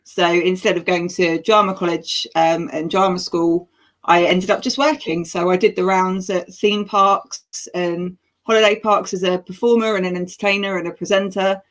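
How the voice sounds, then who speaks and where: A woman's voice: lowish voice, normal speed. A woman from England in her thirties, a guest telling her story with frequent laughter over a video call. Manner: laughs often, lively storytelling. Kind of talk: casual chat.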